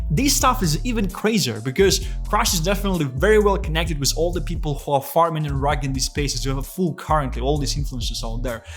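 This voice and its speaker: Blunt, profane man with light music. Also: on the high side. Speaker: crypto commentator. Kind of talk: casual commentary video.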